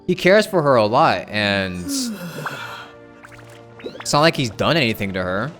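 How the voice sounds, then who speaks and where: Guy streaming games, casual rambly thinking out loud, repeats himself, average pitch, soft music behind. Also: big pitch swings. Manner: musing, halting, repeats phrases while thinking aloud. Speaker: game streamer. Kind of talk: casual livestream chat with viewers.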